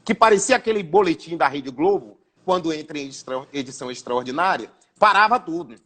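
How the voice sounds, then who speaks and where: A man with a notably high voice tells a story as an interview guest. He talks in an animated way, often repeating and restarting words as he goes. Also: fairly quick. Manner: animated anecdote-telling with repetitions and restarts. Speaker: radio broadcaster and sports commentator, guest.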